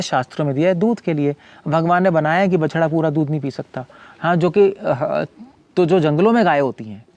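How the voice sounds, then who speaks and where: A man's voice: fairly high pitch, darkish tone, dry recording. A man, a monk who was once a medical doctor, giving a casual explanatory talk in a conversational way, often repeating words and restarting, and mixing English terms in. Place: cow shelter owner speaking from his farm community.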